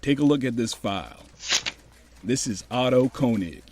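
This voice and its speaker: A man plays a fatherly older US Army officer in a wartime radio play. His voice sits at an ordinary medium pitch. He is genial and folksy, yet carries probing, commanding authority. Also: animated, normal speed, background noise, close to an everyday voice. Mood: grave. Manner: folksy, commanding, addresses juniors paternally. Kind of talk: audio drama acting.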